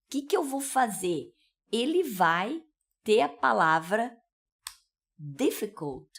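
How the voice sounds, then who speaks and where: Animated, unhurried Brazilian woman teaching. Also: fairly high pitch, creaky. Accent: São Paulo Brazilian Portuguese. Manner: explanatory, with frequent "né?" and "tá?" check-ins. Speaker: English teacher. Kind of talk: pronunciation lesson.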